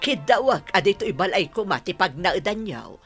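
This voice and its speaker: A woman voicing a stern older mother in an audio drama, sharp when scolding and fond with her children. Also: medium pitch, very animated, moderate pace, faint music behind.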